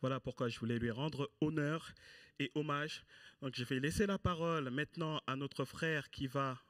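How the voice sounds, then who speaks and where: A man presents at a church service, handing over to a guest speaker. His delivery is earnest and a little halting, with a medium-pitched voice and a very dry, close sound. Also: fairly bright tone, no room sound.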